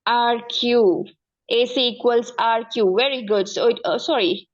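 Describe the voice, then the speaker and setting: Here a South Asian-accented woman with a fairly high voice gives interactive one-to-one maths tutoring, speaking unhurriedly. She's encouraging and often makes sure the student follows along. The sound is lo-fi.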